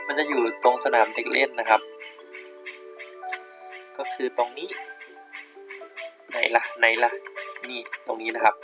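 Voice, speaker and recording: A young man giving casual commentary on his gameplay, relaxed and thinking aloud with many fillers. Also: mid-range voice, poor audio. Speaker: gaming YouTuber. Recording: game music playing behind.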